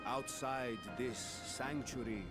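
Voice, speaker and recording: A man playing a composed, stately ruler in a video game, speaking in formal, measured oratory to reassure people. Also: mid-range voice, steady tone, lightly acted. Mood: solemn, reassuring. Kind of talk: dramatic video game acting. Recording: loud music under the voice.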